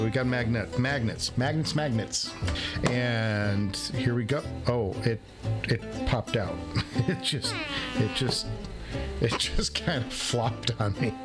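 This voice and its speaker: Excitable, jokey man, lower-pitched voice. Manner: excitable, jokey, repeats phrases for emphasis. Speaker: host of a headphone review show. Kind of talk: casual unboxing vlog talk to viewers.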